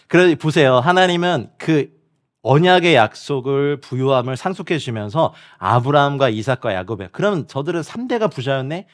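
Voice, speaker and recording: A man's voice: mid-range voice, normal speed. A man preaching as a missionary at a midweek prayer meeting, speaking directly to the congregation and online viewers and often acting out other people's words. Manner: animated, acts out quoted people and laughs often while preaching.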